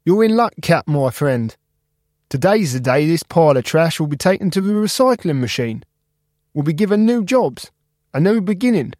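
A man's voice: a little high, very animated, normal speed, a little mellow, no echo, studio quality, voice pushed up. A man voicing a friendly junkyard guide who talks in a cheerful, folksy way. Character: friendly older male junk guide, cheerful and kind.

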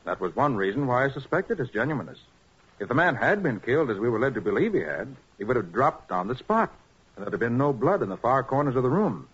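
Methodical master detective, American man, assured, expressive pitch swings, 1940s radio serial, muffled old recording. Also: quick pace, breathy edge, exaggerated voice. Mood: assured, explanatory. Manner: explanatory, assured, precise. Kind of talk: 1940s radio drama acting.

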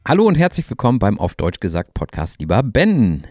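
A man hosting a German-language podcast for learners, speaking in a friendly, clear and measured way. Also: on the low side, wildly swooping pitch, darkish tone, faint music behind. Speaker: podcast host. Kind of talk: relaxed podcast interview.

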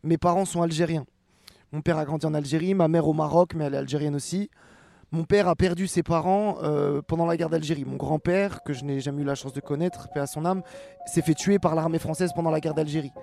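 Guest, twenties, French man; loose rambling talk, fillers, slightly high voice. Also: fairly quick, vocal fry, faint music behind. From France. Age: 20s. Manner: relaxed, rambling, many fillers and restarts. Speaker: actor and rapper guest. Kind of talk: casual interview answers.

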